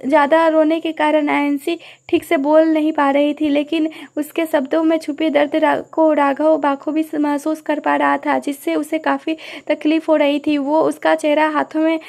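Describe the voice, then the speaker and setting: A woman narrating a romantic audio story in an even storytelling way. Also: sits high, normal speed, creaky, few pauses.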